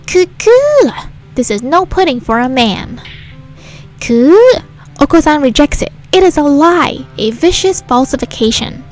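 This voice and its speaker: Woman voicing a shrill, melodramatic cartoon pigeon. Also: big pitch swings, a little slow, soft background music. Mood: outraged. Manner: bombastic third-person declarations with loud coos. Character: hyper, melodramatic male fantail pigeon, indignant about pudding.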